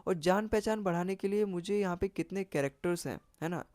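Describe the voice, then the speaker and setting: A man's voice: sits high, brisk, a little mellow, no room sound. A man teaching an exam-prep maths lesson, explaining step by step and often checking in with the listener.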